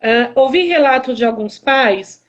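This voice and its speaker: A woman's voice: sits high, lively intonation, unhurried, muffled recording. A woman host with a Brazilian Portuguese accent asking long, rambling questions with many restarts on a video call. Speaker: live stream host. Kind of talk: interview questions.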